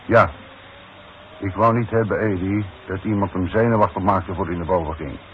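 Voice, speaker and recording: A man's voice: low voice, steady tone, moderate pace, natural voice. An actor playing a stubborn, firm foreman, blunt and insistent, in a 1960s Dutch radio play. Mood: defensive, firm. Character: stubborn, firm foreman defending his decision. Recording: muffled, hissy 1960s radio recording.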